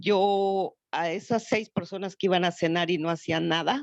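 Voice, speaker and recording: A plain, everyday voice, a woman's at a fairly low pitch with ordinary pitch variation, moves at a fairly slow pace in a dry, close sound with no echo. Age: 60s. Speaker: Rotary club member. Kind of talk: open discussion contribution.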